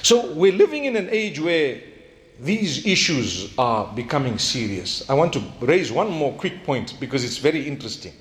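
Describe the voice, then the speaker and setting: A man preaching an Islamic sermon. He tells stories animatedly, acts out bits of dialogue and slows down to stress his key points. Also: on the high side. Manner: animated storytelling, acting out quoted dialogue.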